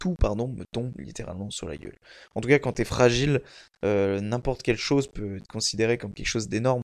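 On a very clean recording with a silent background, a man speaks very fast at medium pitch, with ordinary pitch variation and big swings in loudness. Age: 20s. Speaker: podcaster and motivational coach. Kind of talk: solo casual monologue. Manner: animated.

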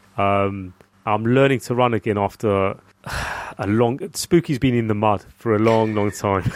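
The speaker has an English accent and talks at a fairly slow pace with ordinary pitch variation. The recording is very clean, with a silent background. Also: man, fairly low pitch for a man. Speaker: football blogger. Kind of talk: casual chat. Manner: halting.

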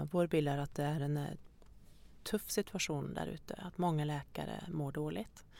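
Her voice very deep and low, a woman speaks at a moderate pace with a dark, mellow tone and ordinary pitch variation. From abroad, came to Sweden as a doctor. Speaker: anaesthetist and doctors' union chair. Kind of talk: interview. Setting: podcast studio.

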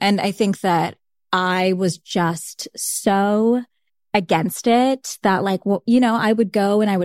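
The recording is very clean and dry, close-miked with no echo and a silent background. A woman speaks at a medium pitch with ordinary pitch variation. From US, South Florida (Saint Lucie County). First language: Bengali. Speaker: political and business strategist. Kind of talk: casual interview chat. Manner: hesitant, many fillers and repeated words.

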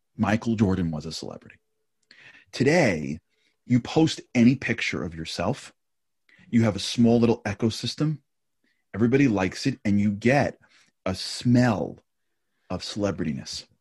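Speaking at a moderate pace with an energetic, passionate tone, a man uses a medium pitch and lively intonation, sounds somewhat breathy, leaves long, frequent pauses, and is recorded dry and close with no echo. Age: 40s. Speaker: motivational speaker. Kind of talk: casual interview conversation. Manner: animated, expressive.

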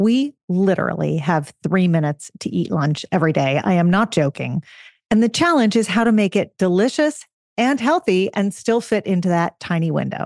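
A woman's ordinary speaking voice at a medium pitch and moderate pace, lively in intonation, dry and close with no echo, against a quiet background. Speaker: podcast co-host. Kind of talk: casual chat.

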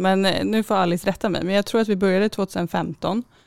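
A normal speaking voice from a woman at medium pitch, fairly even in intonation, on a very clean recording with a silent background. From Sweden, Stockholm. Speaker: handball referee, student teacher. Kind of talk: casual chat.

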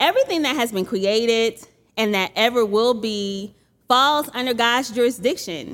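In an Atlanta accent, a woman speaks at a fairly high pitch with an animated tone. Her pace is moderate and her pitch variation ordinary. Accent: Southern US (Atlanta). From US South, Atlanta/Decatur, Georgia. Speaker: podcast host, English professor. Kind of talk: solo podcast monologue.

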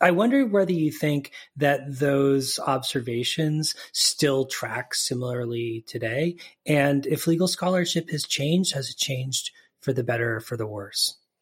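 A man with an American accent speaks at a fairly slow pace in a somewhat breathy voice. His pitch is fairly high, with ordinary variation. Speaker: podcast host and law professor. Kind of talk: casual interview.

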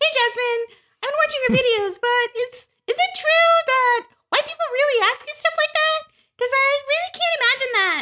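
A female-sounding put-on character voice at an extremely high pitch, delivered at a moderate pace. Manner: naive, fake-friendly.

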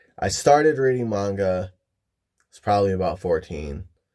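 A man has a very deep, low pitch with ordinary pitch variation. He speaks with a Midwestern American accent. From Michigan, US. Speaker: podcast host. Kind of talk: casual monologue. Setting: home recording in a closet with headphones.

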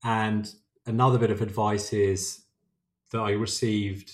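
A man's fairly low, somewhat breathy voice moves at a fairly slow pace with monotone, flat intonation in a very clean recording with a silent background. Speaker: agency CEO and co-founder. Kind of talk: interview. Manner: halting, with frequent repetitions.

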